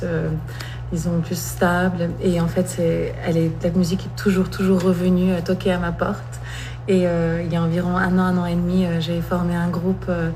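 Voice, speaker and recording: A woman, a lawyer who also writes songs, answering interview questions in a measured, hesitant way. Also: on the low side. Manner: measured, hesitant, many fillers. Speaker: lawyer and songwriter, program participant. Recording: clear hum behind.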